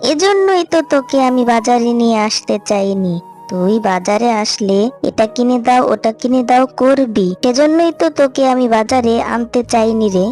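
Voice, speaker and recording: A worried mother fox, acted by a woman in a cartoon, poor and widowed. Her slightly high voice swings between scolding and pleading, with soft music underneath. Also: lightly acted. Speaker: narrator as well. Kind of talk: cartoon voice acting.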